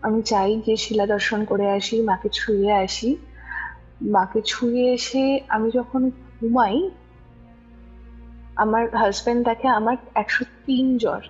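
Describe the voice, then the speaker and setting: A woman's voice: fairly high pitch, fairly even intonation, measured pace, long pauses, darkish tone, breathy edge. A young woman tells a personal story casually and conversationally, often checking that her listener follows. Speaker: guest recounting a personal ghost experience. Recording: muffled lo-fi audio over music. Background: music.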